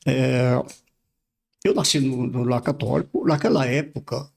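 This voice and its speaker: An older pastor from Brazil, recounting his past in a relaxed podcast conversation. His voice has a gravelly edge at middle pitch, and he often stops to repeat a word before going on. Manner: halting, repeats words while recalling. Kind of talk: casual interview storytelling.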